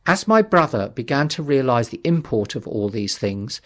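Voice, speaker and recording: Male audiobook narrator, measured and dramatic. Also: mid-range voice, very animated. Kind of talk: scripted literary narration.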